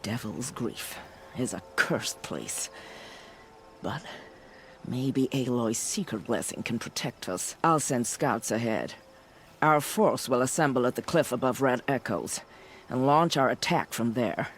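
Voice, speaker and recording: A performer voicing a grave, commanding tribal war chief in a video game cutscene, solemn and measured. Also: male voice, mid-range voice, animated, fairly bright tone, slight background noise.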